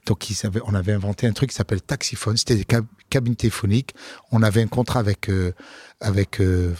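Man, husky, low-pitched, casual storytelling, fillers, dry podcast sound. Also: fast talker, no room sound. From France. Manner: relaxed storytelling, many fillers and restarts. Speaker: comedian guest. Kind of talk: casual interview talk.

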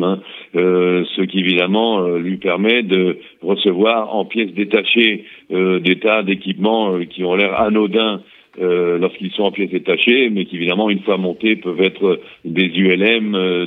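A man, a former intelligence officer, giving a measured analysis over a phone line in a radio interview, pausing often with hesitant fillers. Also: low-pitched. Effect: heard over a phone line.

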